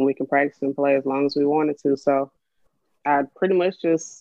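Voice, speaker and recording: A woman with an Alabama accent talks at a fairly quick pace in a very deep, low voice. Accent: Southern US (Alabama). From US South. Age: 30s. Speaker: entrepreneur. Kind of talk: casual chat.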